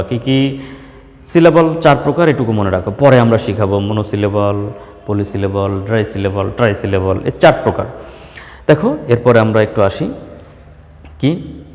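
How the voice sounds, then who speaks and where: A Bangladeshi man teaching a primary school lesson, asking questions and answering them himself, sometimes drawing out examples slowly. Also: medium pitch, darkish tone, long reverb tail. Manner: slow, drawn-out dictation of examples. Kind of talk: online class lesson.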